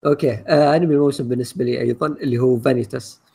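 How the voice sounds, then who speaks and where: A man chats on a podcast at a breakneck pace, rambling with lots of fillers. His voice is gravelly and a bit husky, and sits slightly high for a man. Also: steady tone, warm tone. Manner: rapid, rambling with many fillers. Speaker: podcast co-host. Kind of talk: casual chat.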